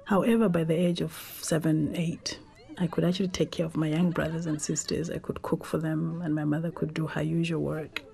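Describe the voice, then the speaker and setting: A Zambian woman whose first language is Tonga, telling her life story in a reflective, unhurried way with pauses and restarts. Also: deep voice, flat delivery, vocal fry, warm tone. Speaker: documentary interviewee.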